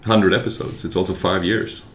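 Deep-voiced Swedish man, teasing co-host. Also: fairly even intonation, normal speed, a bit bright. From Sweden. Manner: teasing, leads the segments. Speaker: podcast co-host. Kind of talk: casual chat. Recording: roomy echo, faint noise.

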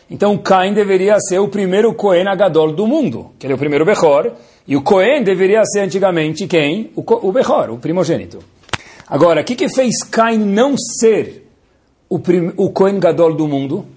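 A man's voice: high-pitched, expressive, a little fast, a little mellow, husky. A man, a rabbi giving a playful, dramatizing Torah lesson to students and sprinkling in Hebrew terms.

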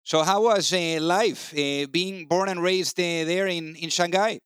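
A man's voice: high voice, unhurried, fairly bright tone, clear, resonant tone, no room sound, studio quality. A man hosting a business podcast, upbeat, and often repeating words for emphasis. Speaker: podcast host.

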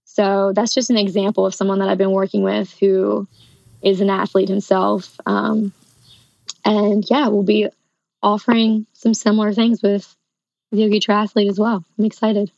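A woman's voice: medium pitch, level tone, moderate pace, gravelly, a little mellow, no room sound, dull audio. A woman herbalist and triathlon coach explaining things enthusiastically in a podcast interview, with frequent ums.

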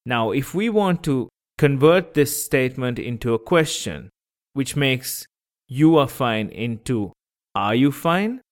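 Guy teaching a language podcast, talks slow and steady, mid pitch, repeats every example. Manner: patient, repeats examples slowly; breaks words into syllables.

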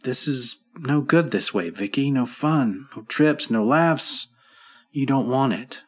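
A middle-aged husband worn down by a bad heart. He talks in a sighing, strained way and turns bitter and despairing. His voice sits at an ordinary pitch for a man. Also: lively intonation, slow, husky. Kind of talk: old time radio drama acting.

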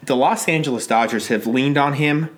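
A man in his thirties chatting casually as co-host, animated and talkative, jumping from TV to baseball. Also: medium pitch. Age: 30s. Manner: animated, talkative, quick bursts of excitement. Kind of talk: casual chat and sports talk.

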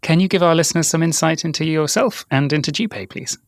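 A man's voice: a little high, brisk, dry recording, studio quality. A man hosting a finance podcast, reading a polished intro and then putting questions to his guests. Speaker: podcast host.

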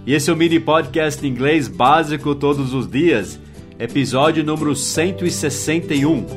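Man pronunciation slowly. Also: a little high, over music. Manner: slow, careful drilling of pronunciation, spelling words out. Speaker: English teacher, podcast host. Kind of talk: mini-podcast English lesson.

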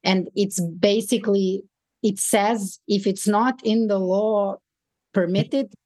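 A woman with a Serbian accent giving conversational interview answers as an expert guest, pausing often mid-phrase. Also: mid-range voice, steady tone, a little mellow, dry recording. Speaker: podcast guest, local fintech expert.

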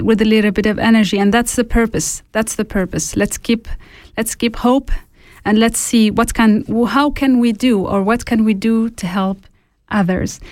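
A woman's voice: mid-range voice, darkish tone, dry recording, clean studio sound. A woman hosting an interview, prompting her guest with short, encouraging questions. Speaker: host.

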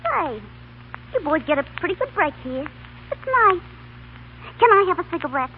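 A woman's voice: extremely high pitch, very animated, normal speed, phone-quality sound, heavily acted. An actress playing a brassy, street-smart young American chorus girl, brash and slangy, in a 1930s radio comedy. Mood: hopeful, chatty. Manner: brash, slangy, plain-spoken. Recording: thin, noisy 1930s radio broadcast.

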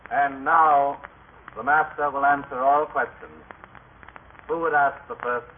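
An actor playing a formal, commanding temple official making announcements in a vintage radio drama. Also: male voice, mid-range voice, steady tone, measured pace, natural voice. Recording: tinny, faintly noisy old radio recording.

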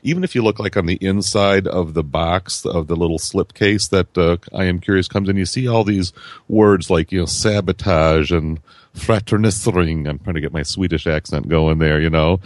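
Rambling deep-voiced man in his fifties. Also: moderate pace, dry recording, studio quality. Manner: rambling, with many restarts and repeated words. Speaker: podcast guest. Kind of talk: casual film discussion.

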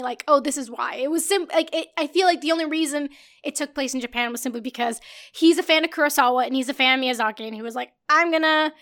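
A woman with a high, bright voice talks through a film in loose, opinionated podcast chat. She gets animated, trails off mid-thought and restarts often. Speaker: podcast co-host. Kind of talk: casual film discussion.

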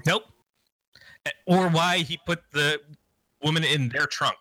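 A man's voice: fairly high pitch, slow, bright, forceful tone, no room sound, soft background music. A man casually recapping a movie plot on a podcast, rambling and joking crudely. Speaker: podcast co-host. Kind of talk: casual movie review chat.

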